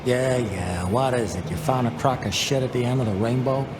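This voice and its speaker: Man playing gruff police captain over loud music. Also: mid-range voice, moderate pace, natural voice. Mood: needling. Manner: brusque, slangy, needling. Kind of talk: video game character acting.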